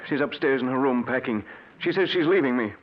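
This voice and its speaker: A man's voice: medium pitch, lively intonation, fairly quick, close to an everyday voice. An actor playing a wealthy, lovesick male stockbroker who pleads with his wife in a 1940s radio drama. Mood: pleading. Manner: pleading, then possessive and frantic. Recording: dull old radio broadcast.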